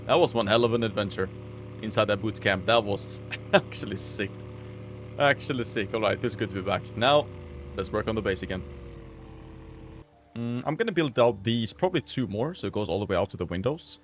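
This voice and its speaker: Excitable man narrating his gameplay. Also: fairly low pitch. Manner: excitable, exclaims often, casual slang. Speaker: gaming video host. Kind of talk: casual gameplay commentary.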